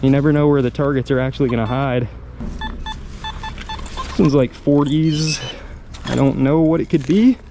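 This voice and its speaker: Mellow, laid-back man vlogging outdoors. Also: mid-range voice, normal speed, pauses often. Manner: laid-back, slangy, musing. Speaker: host of a metal detecting channel. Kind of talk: casual outdoor vlog chat, thinking aloud while searching. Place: outdoors in a park. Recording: outdoor park ambience with clear background noise. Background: park ambience.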